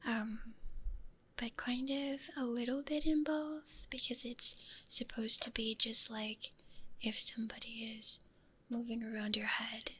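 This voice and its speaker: A woman streaming ASMR in a hushed, breathy whisper, speaking gently and intimately close into a stereo microphone. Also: on the high side, little pitch movement, unhurried.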